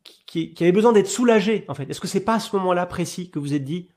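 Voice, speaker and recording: A middle-aged man, a priest, giving a webinar talk about his own experience, telling it in an animated way with fillers and repeated words. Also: fast talker. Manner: animated storyteller with sudden rises in pitch and loudness.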